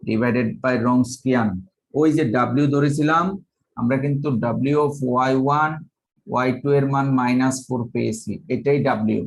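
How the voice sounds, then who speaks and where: A man from Bangladesh lecturing on math, talking slowly and methodically and dictating each formula step by step. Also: medium pitch, steady tone, rough recording.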